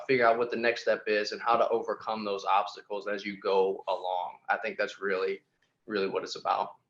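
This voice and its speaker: A man's voice: lowish voice, fairly bright tone, lo-fi sound. A man in his twenties, a podcast guest, talking casually and earnestly with lots of filler words. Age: 20s. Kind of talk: podcast interview.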